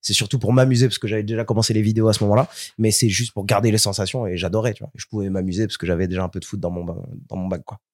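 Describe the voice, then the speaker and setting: A man's voice: fairly low pitch, rapid-fire, hardly any pauses, no echo, studio quality. A young man from France, a guest in a casual interview, telling stories with animation and frequent restarts. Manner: animated storyteller, repeats words as he restarts.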